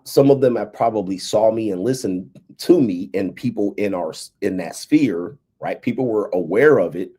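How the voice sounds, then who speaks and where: A man's voice: lowish voice, dark tone, slightly rough. A man in his fifties giving casual, emphatic commentary on dating and relationships, often tagging his points with "right?" and "okay". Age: 50s.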